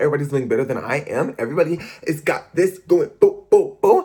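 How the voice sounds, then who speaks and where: Noticeable background noise runs under the speech. A man talks at a very fast pace. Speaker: vlogger. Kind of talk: casual monologue to camera. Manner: halting, self-correcting.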